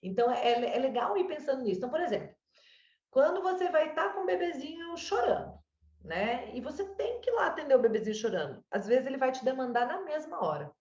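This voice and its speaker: A woman's voice: high-pitched, big pitch swings, fast. A woman with a Brazilian Portuguese accent giving a parent advice, explaining patiently and checking in with "né?" and "sabe?". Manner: warm explanatory, lots of "né?" and "sabe?". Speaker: child development consultant. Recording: roomy, distant, dull mic.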